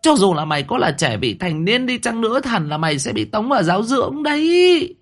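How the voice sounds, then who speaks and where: A man's voice: medium pitch, animated, fairly quick, breathy edge. A man voicing a furious, bossy middle-aged mother who screeches threats and scoldings.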